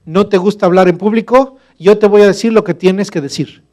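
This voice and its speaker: A man's voice: sits high, brisk, a little mellow, voice pushed up, close to an everyday voice. A man voicing God as a commanding, insistent divine figure in a sermon retelling. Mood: reassuring.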